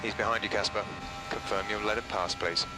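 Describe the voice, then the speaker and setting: A man's voice: fairly low pitch, steady tone, fairly quick, loud music behind the voice. An actor playing an insistent male race engineer speaking over team radio in a video game. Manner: insistent, clipped.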